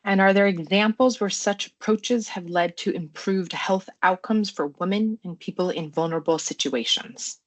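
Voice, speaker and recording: A woman's voice: mid-range voice, moderate pace, hardly any pauses. A woman moderating a webinar, formally introducing a panelist and putting questions.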